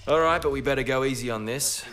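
A man's voice: mid-range voice, quick pace, fairly bright tone, lightly acted. An actor playing an easygoing, loyal male spaceship pilot in a sci-fi audio drama, with breezy, slangy speech. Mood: cheeky, easygoing. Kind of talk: science fiction audio drama acting.

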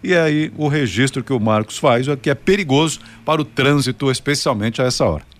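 A man's voice: mid-range voice, fairly quick. A man, relaying listener messages conversationally as a radio news co-presenter. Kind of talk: conversational listener-report segment.

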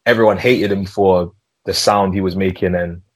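A man's voice: deep voice, steady tone, moderate pace, no room sound. London roadman-accented young man, dry close sound. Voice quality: urban London street slang delivery. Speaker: podcast host. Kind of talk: casual music podcast chat.

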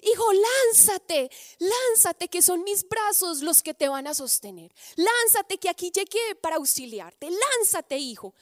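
A loving father calls up to his child with a strong, insistent voice, voiced by a woman. The voice is pitched high, urgent and coaxing, in a dry, close recording. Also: expressive, a little slow, no room sound, heavily acted.

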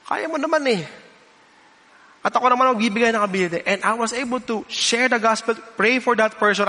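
A man's voice: sits high, pushed and bright, long reverb tail. A male pastor giving a sermon, telling personal stories and acting out quoted voices, switching between English and Filipino.

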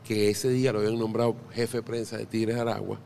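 A man's voice: on the low side, flat delivery, quick pace, creaky, darkish tone, slight background noise. A middle-aged Venezuelan man, a podcast guest, chatting casually and telling anecdotes with jokes and frequent restarts. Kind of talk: casual interview chat.

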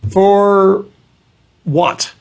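A high-voiced man with a New England accent, joining a friend for a casual chat over drinks. He is sarcastic and jokey and slips into put-on voices for comedy. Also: fairly even intonation, drawn-out words, creaky, smooth, low-quality recording. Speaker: co-host.

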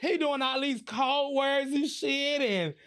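A man hosting a podcast, telling a story in casual chat, animated and profane, laughing as he goes. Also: very high voice, slow. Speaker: podcast host.

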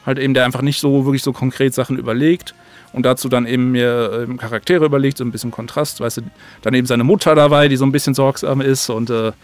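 Male podcast guest, medium pitch, casual and rambling, halting mid-thought. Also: fairly even intonation. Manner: rambling, halting, circles back mid-sentence. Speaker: audio drama creator, interview guest.

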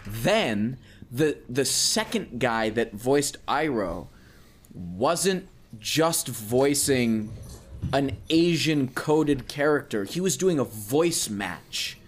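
A young man chatting over a voice call as co-host, animated and quick to laugh. He often breaks off and restarts his sentences. A faint hiss and stray clicks sit behind him. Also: medium pitch. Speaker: podcast co-host. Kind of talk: casual group chat over a voice call. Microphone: home mic on a voice-chat call.

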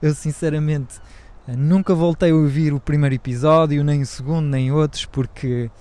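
A man's voice: fairly high pitch, steady tone, moderate pace, warm tone, no room sound. A man hosting his own podcast in a casual, rambling monologue, hesitant and full of fillers, speaking Portuguese with a French accent. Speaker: podcast host.

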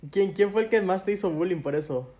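A man's voice: high-pitched, quick pace, dark tone. A man interviewing a guest in a casual chat, with frequent laughter and short reactions.

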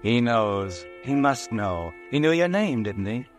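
A man's voice: medium pitch, very animated, measured pace, faint music behind. A man playing a sardonic, all-knowing radio narrator who taunts a guilty man in old suspense style. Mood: taunting, ominous. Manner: taunting, insinuating. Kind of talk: 1940s radio suspense narration in second person.

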